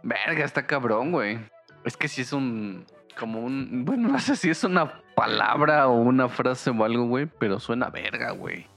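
Mexican co-host, mid-pitched and laid-back; slangy, crude banter. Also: male voice, expressive, normal speed, gravelly, a bit bright, faint music behind. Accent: Mexican Spanish. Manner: casual, ends phrases with filler slang. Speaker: podcast co-host.

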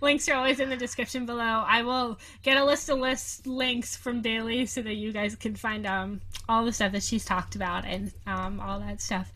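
A woman's voice: fairly high pitch, fairly even intonation, normal speed, few pauses, sharp tone, low-quality recording. Bubbly young woman podcast host. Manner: giggly, bubbly, lots of fillers. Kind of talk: casual chat. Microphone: video call recording.

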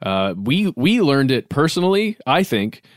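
A man's voice: medium pitch, sing-song, a little slow, no room sound, clean studio sound. A man chatting casually as the host of a podcast. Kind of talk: casual chat.

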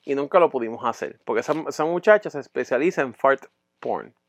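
A man telling a crude story in a podcast chat, profane and animated, acting out voices and sounds. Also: medium pitch, quick pace, no echo.

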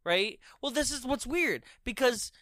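A man's voice: very high voice, lively intonation, measured pace, pushed and bright, dry recording, clean studio sound. A young man in casual, laugh-filled chat about a film, often slipping into put-on voices for the characters.

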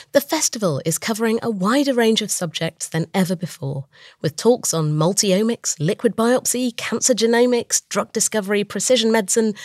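A woman host, croaky from a chest infection, narrating a scripted science podcast with a storytelling manner. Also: medium pitch, no room sound, studio quality. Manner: storytelling, lively emphasis on lists.

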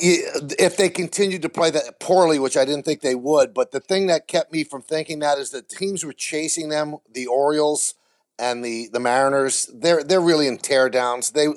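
A man speaking as an interview guest, candid and blunt, with vivid comparisons. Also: a little high. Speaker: baseball TV play-by-play announcer, guest.

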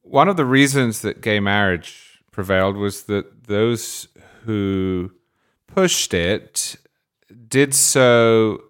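A man on a podcast panel, making a measured, deliberate political argument. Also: fairly low pitch, fairly bright tone, clean tone. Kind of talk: political discussion.

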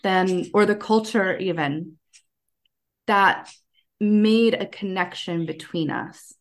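A woman with an American accent chatting casually as a podcast guest, telling personal stories in an animated way. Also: medium pitch, takes it slowly. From United States. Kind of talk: casual conversational storytelling.

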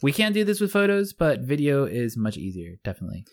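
A young man co-hosting a podcast in easy conversation, his voice a bit high and friendly. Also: big pitch swings, quick pace. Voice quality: fairly high-pitched voice. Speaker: podcast co-host. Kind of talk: casual chat.

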